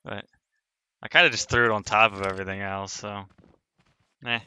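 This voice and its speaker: A man's voice: lowish voice, steady tone, normal speed, bright, forceful tone, smooth. A man streaming a sandbox building game, thinking aloud in casual commentary as he narrates each step of his work.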